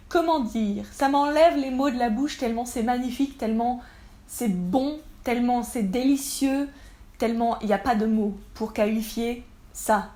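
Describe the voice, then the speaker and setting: A woman's voice: on the high side, a little mellow. A young woman narrating a casual travel vlog, chatty and enthusiastic as she gushes about food. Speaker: travel vlogger.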